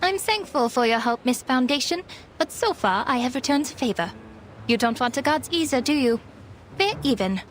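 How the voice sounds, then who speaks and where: A woman's voice: sits high, lively intonation, normal speed, a little hiss or hum. An actress playing a proud, defensive woman psychiatrist in a video game, with a dry, sarcastic and dramatic manner. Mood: exasperated. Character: weary, defensive Viennese woman psychiatrist, proud, wry arcanist. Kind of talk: video game story voice acting. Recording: music under the voice.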